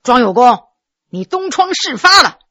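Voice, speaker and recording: A woman voicing a clever young male scholar who speaks in a lowered, earnest voice. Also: sing-song, a little slow, bright, forceful tone, breathy edge, no room sound, full character voice. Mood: stern.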